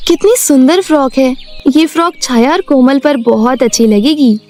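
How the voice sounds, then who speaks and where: A loving fairy mother speaks gently and firmly to her daughters in a cartoon story, as a woman voices her. Her voice sits high and kind, with soft music under it. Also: normal speed, natural voice. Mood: tender.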